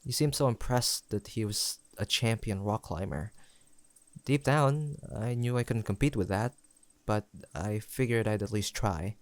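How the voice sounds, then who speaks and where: A man's voice: lowish voice, no echo, close to an everyday voice. A young man playing a tender, teasing best friend turned lover in an intimate romantic audio roleplay, speaking in a hesitant, conversational way. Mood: sheepish, embarrassed. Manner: conversational, hesitant, halting delivery with sighs and soft chuckles.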